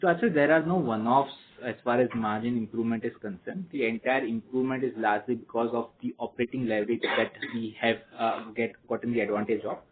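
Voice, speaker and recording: A man with an Indian accent, a company executive giving measured, formal answers to analysts on an earnings call. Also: mid-range voice, fairly even intonation. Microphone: conference phone call. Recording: tinny phone line with noise.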